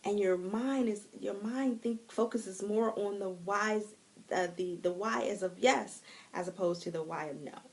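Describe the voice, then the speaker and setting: A woman talks straight into her phone on a live stream, coaching listeners with lively encouragement. Her voice sits mid-pitch with a gravelly, fry-tinged texture. She slows down on key words and breaks into light laughter. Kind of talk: live-streamed motivational talk. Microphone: phone mic.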